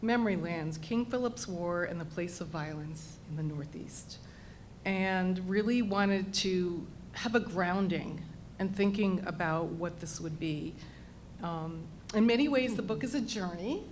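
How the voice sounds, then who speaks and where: A woman's voice: measured pace, darkish tone. American woman projecting a teacher's voice. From New England, US. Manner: projected teacher voice, appreciative, emphatic repetition. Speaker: anthropologist leading an on-stage conversation. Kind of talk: live public conversation, informal introduction. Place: indoor public event venue. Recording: noisy live event with rumble.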